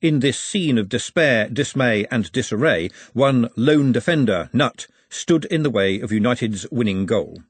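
Man playing a florid newspaper sports reporter, animated. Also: mid-range voice, unhurried, few pauses, breathy edge, no room sound. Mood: mock-solemn.

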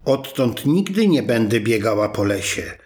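A man voicing a sweet little girl in a red hood in a read fairy tale, high and wide-eyed. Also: big pitch swings, a little slow, darkish tone. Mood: innocent.

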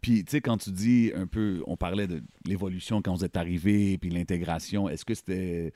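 Deep-voiced Quebec host, mellow tone. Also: male voice, fairly even intonation, normal speed, dry recording. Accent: Quebec French. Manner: switches between Quebec French and English. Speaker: podcast host. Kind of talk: casual interview chat.

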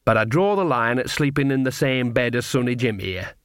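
A man's voice: medium pitch, animated, brisk, clean tone, no room sound, studio quality, lightly acted. A man voicing a cheerful, earthy old witch woman with folksy grammar in an audiobook. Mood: mischievous. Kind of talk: audiobook character acting.

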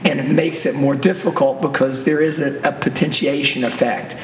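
A man with a gravelly voice, hoarse from laryngitis, co-hosting a Christian counseling talk show in a conversational way. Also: medium pitch, fairly even intonation, moderate pace. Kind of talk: religious talk radio conversation. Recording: roomy, echoey, distant, faint noise.

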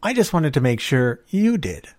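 A mysterious little man from a storybook, voiced by a male narrator. He speaks slowly and deliberately in a raised, swooping voice, wry and admonishing. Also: on the high side, big pitch swings, a little mellow, voice pushed up. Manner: slow, deliberate. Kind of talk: storybook character voice.

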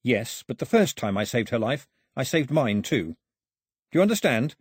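A man voicing an earnest, protective young male islander in a storybook, solemn and measured. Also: medium pitch, big pitch swings, breathy edge, no echo, studio quality. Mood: earnest, resolved.

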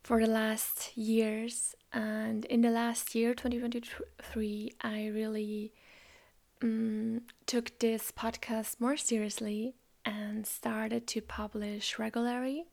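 A woman whose first language is German hosts a spiritual podcast, talking in a soft, slow, reflective way that often drops close to a whisper. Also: a little high, level tone, gravelly. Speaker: podcast host. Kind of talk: calm spiritual podcast monologue.

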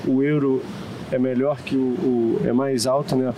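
A man's voice: medium pitch, level tone, unhurried, over a noisy crowd. Man, hesitant. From Rio de Janeiro, Brazil. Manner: hesitant, many fillers and restarts. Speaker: interview guest. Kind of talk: casual conversation. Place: outdoors in a city park.

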